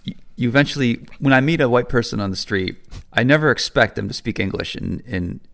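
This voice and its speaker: A man co-hosting a podcast in casual chat, animated and quick to laugh. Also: mid-range voice, creaky. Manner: animated, quotes people in put-on voices, laughs easily. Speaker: podcast co-host.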